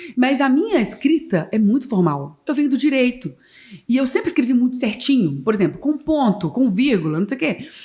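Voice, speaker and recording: A woman with a high pitch and a dark, mellow tone speaks at a fairly quick pace, her pitch swinging very widely while her loudness stays very even. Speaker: lawyer and mediator. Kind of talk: podcast interview. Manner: fast; animated.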